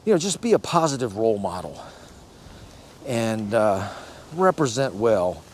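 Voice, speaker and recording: A man's voice: lowish voice, very animated, unhurried, a little mellow, slight background noise. A man in his sixties hosting a fitness vlog, talking casually to camera in a rambling, encouraging way and often correcting himself. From United States. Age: 60s. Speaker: fitness channel host.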